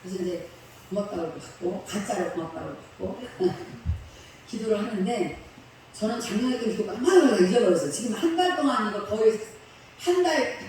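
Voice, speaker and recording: A woman's voice: mid-range voice, expressive, moderate pace, a little mellow, slight background noise. A woman pastor telling a story in a sermon, in a chatty, colloquial way, laughing along with the congregation. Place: church sanctuary. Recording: echoey hall from far off.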